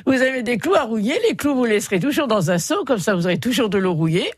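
A woman, a gardening expert on a radio call-in show, giving brisk step-by-step advice to a caller from the studio. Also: fairly high pitch, husky, no room sound. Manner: brisk, lively, gives step-by-step tips.

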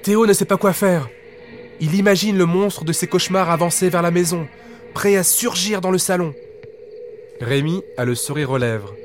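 A man telling a bedtime story in a lively, expressive reading voice. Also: sits high, moderate pace, soft background music.

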